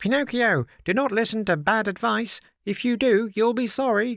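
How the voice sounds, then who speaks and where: A man does a put-on character voice, pitched high and at very even loudness. His pace is moderate, and the recording is very clean with a silent background. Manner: sharp, clear, warning.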